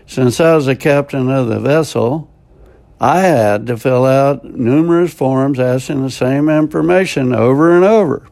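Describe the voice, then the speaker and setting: An older American devotional radio host reads a short scripted devotional in a plainspoken, homespun way, with dry self-mocking humor. His voice is on the high side and darkish, with vocal fry.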